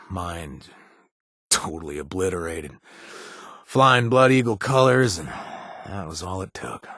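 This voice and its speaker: An actor playing a remorseful former gang member and recovering addict who now runs a bar, talking casually with wry asides and trailing hesitations, recorded in a dry booth. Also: male voice, low-pitched, a bit bright, slightly rough, no echo, heavily acted. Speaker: companion character. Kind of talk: video game voice acting.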